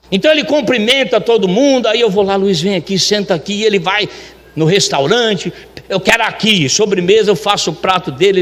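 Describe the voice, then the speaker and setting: A man tells a testimony with lively, acted-out dialogue. His voice sits high for a man. A long hall reverb trails each phrase. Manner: animated, acts out dialogue. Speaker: restaurant owner giving a testimony. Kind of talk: church testimony storytelling.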